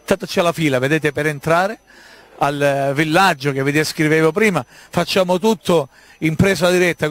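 A man's voice: a little high, a bit bright. A man working as a TV reporter, chatty and inquisitive, interviewing people live on location. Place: outdoors at a busy village street festival.

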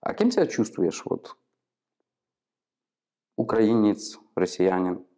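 A man's voice: fairly low pitch, very animated, slow pace, warm tone. A man in his thirties, a native Ukrainian speaker, interviewing and probing with long explanations, in a small office on a lapel mic. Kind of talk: interview questioning. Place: small office room, indoors. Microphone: clip-on lapel mic.

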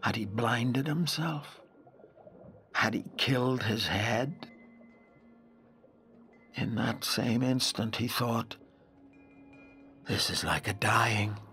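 An actor playing a grave, intense narrator in a literary audio drama, measured and full of dramatic pauses. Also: male voice, medium pitch, sharp tone, soft background music. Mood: dread. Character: grave narrator haunted by a wild lake memory.

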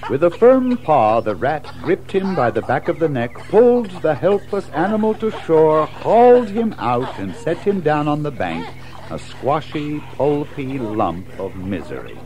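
A man narrating a children's story from a script in an expressive storytelling style. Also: on the high side, a little slow, a little hiss or hum. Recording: music behind narration.

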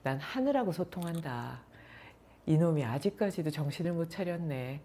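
A woman voicing a gruff old male monk who bluntly scolds his disciple. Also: deep voice, expressive, moderate pace, dark tone, a little hiss or hum. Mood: scolding.

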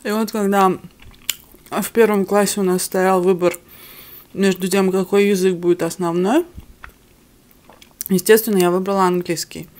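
A woman's voice: medium pitch, steady tone, normal speed, pauses often, a little mellow. A young woman whose first language is not Russian, chatting candidly to camera between bites in her living room. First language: other than Russian. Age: young adult. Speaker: mukbang vlogger. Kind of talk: casual chat to camera while eating. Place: living room at home, indoors. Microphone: camera on the table in front of her.

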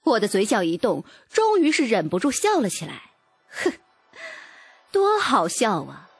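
A woman giving an expressive, dramatic first-person audiobook narration. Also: a little high, a little slow, husky, no room sound.

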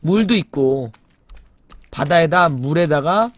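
Jumpy, high-voiced male game streamer. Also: lively intonation, takes it slowly. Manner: jumpy, exclaims loudly when startled, then mutters low; chats with viewers and reads the chat. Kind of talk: live game commentary.

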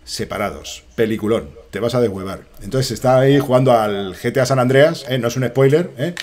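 Excitable Spanish gaming streamer. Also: male voice, mid-range voice, fairly quick. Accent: Spain Spanish. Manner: excitable, rambling, swears a lot. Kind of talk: excited gameplay commentary.

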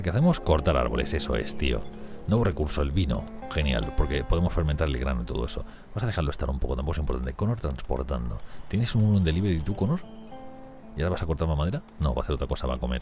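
A man, casually commentating his game and talking to his characters as he plays. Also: extremely low pitch. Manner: chatty, talks to his characters. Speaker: gameplay youtuber.

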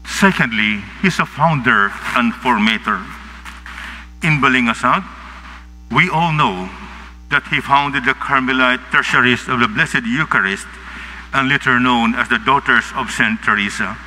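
A middle-aged man with a Filipino accent preaching a homily in short, halting phrases into a lectern microphone through a face mask. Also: medium pitch, pushed and bright. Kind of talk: sermon, partly read from notes. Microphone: gooseneck lectern microphone, speaking through a face mask. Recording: reverberant PA sound with clear background noise.

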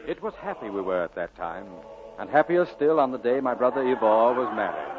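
A man's voice: mid-range voice, animated, brisk, heavy background noise, natural voice. An actor playing a nostalgic old Welsh man, lyrically narrating his boyhood in a 1940s radio drama. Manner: lyrical, wistful storytelling. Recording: narrowband old radio broadcast with music.

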